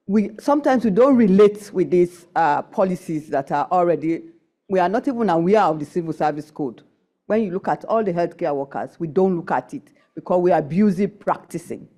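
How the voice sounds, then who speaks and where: A middle-aged woman, a nurse and council member, giving an impromptu comment at a conference session in a deliberate, emphatic, halting way. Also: fairly low pitch, dark tone.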